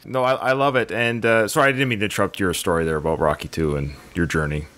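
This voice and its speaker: A man's voice: sits low, steady tone, quick pace, fairly bright tone. A man hosting a podcast, chatting and joking as he rambles through film history. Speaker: podcast host. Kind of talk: casual podcast chat.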